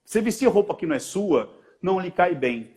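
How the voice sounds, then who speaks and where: Brazilian man, body-language expert, chatty interview explainer who slips into quoted bits; fairly high-pitched, swooping voice. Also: a little fast. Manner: animated, acts out little quoted dialogues.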